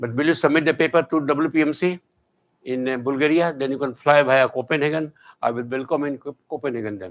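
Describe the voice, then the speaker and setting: A man's fairly high voice with an Indian accent, very fast pace and ordinary pitch variation, on a very clean recording with a silent background. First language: Hindi. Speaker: professor. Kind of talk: lecture.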